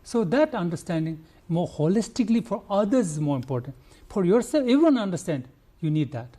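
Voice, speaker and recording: An older man from Nepal, interviewed as a conservationist, speaks in a high, warm, sing-song voice. His answers are earnest but halting, marked by restarts, fillers, and his Nepali accent.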